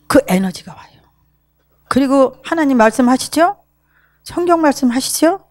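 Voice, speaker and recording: A woman in her sixties giving a personal recovery testimony to a group, telling her story in an emotional, animated way. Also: sits high, no echo, studio quality. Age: 60s. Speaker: program participant giving a testimony.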